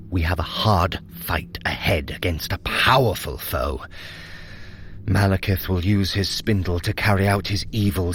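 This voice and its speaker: An actor playing a sly, vain trickster god in an audio drama, sardonic and theatrical, sharp-tongued with a fretful edge. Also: male voice, low voice, slight background noise. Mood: grimly resolved. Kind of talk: audio drama acting, addressing the listener.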